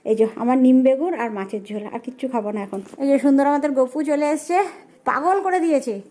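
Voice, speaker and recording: Woman, home family vlogger; chatty running narration of chores, brisk delivery, mellow, slightly high. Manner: chatty, narrating chores and meals as she goes. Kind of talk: casual home vlog chat.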